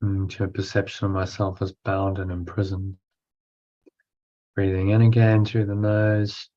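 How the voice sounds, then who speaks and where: A man with a low, very level voice leads a breathing meditation. He gives instructions in short phrases, pausing between them, and reads affirmations to be repeated. The recording sounds dull and lo-fi. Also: completely flat delivery, dark tone. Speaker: guided meditation teacher.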